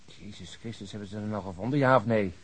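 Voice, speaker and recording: An actor playing an impatient, sardonic, world-weary police detective in a radio drama, blunt in manner. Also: male voice, on the low side, fast, slightly rough. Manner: blunt, dryly sarcastic.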